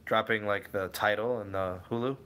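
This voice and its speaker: Young male livestream host, slightly low, bright tone; relaxed, meandering, talks straight to his chat. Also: moderate pace. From Cleveland area, USA. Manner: rambling, self-correcting, answers viewers by name. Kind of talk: casual live chat reading viewer comments.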